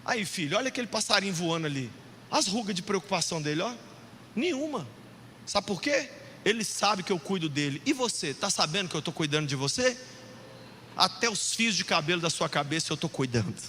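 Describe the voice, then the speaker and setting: Man doing God, gentle and low. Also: big pitch swings, moderate pace, pauses often, a little hiss or hum. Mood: tender. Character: God speaking gently to a child. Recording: long hall reverb.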